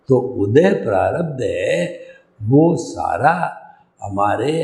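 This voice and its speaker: Slow, gravelly-voiced man giving a spiritual talk. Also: lowish voice, a little mellow, reverberant. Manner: slow, deliberate explaining with English words mixed in. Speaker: spiritual teacher. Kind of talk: spiritual lecture.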